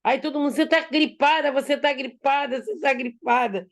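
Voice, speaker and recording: A woman in an online study group, calmly telling a personal story and retelling what others said, over a video call. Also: high-pitched, gravelly. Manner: unhurried, conversational, retells dialogue. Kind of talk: casual storytelling in a group discussion.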